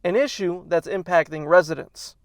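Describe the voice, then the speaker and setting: Man, TV reporter, high-pitched, scripted news narration. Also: moderate pace.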